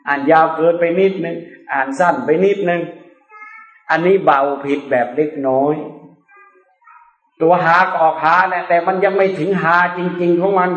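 A man giving an informal religious lecture on recitation, talking in a colloquial, animated way with playful asides. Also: fairly high pitch, echoey room, lo-fi sound. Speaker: Quran recitation teacher.

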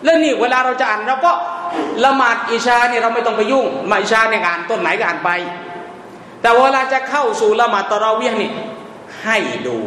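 A man's voice: sits high, fairly bright tone. Man preaching in an echoey hall. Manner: casual, rhetorical questions to the audience. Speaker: Muslim preacher. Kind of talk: religious instruction talk. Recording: echoey hall with faint noise.

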